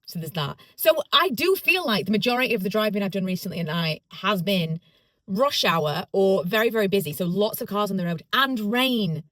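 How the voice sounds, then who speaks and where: A woman's voice: medium pitch, lively intonation, brisk, fairly bright tone. A woman vlogging casually, rambling in a self-deprecating way and repeating phrases for emphasis. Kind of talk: casual chatty vlog to camera.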